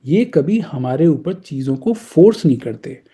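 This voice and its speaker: Husky, warm-voiced man teaching scripture. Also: fairly high pitch, animated. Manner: explains slowly, often repeating phrases and asking himself questions; chants verses slowly. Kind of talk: verse-by-verse scripture lesson. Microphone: online video call.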